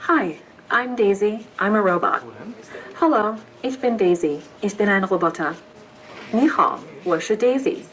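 A synthetic female text-to-speech voice of a humanoid care robot, speaking in an even, polite manner. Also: medium pitch, unhurried. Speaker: social robot.

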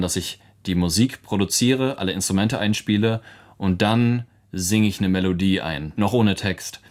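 A young man in his twenties, a musician guest, answering interview questions in a casual, chatty way with frequent laughs. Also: low voice. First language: English. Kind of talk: relaxed radio interview answers.

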